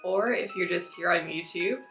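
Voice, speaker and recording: A woman's voice: on the low side, moderate pace, fairly bright tone, faint music behind. Stuffy-nosed woman chatting to camera. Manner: chatty, upbeat, laughs often. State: stuffy, nasal from a cold. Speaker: movie reaction YouTuber. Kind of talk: casual chat to camera.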